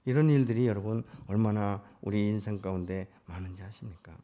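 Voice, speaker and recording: A male pastor preaching a sermon at a prayer meeting, rising to loud emphatic peaks and dropping to quiet asides, often asking the congregation questions. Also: on the low side, fairly even intonation, fairly quick.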